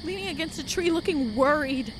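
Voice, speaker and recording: A woman playing a wary, sharp-eyed, outspoken young woman in an audio drama, speaking in blunt slang. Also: high voice, lively intonation, a little fast, noisy background. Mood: unsettled. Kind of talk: audio drama acting, casual dialogue. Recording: faint outdoor night ambience with crickets.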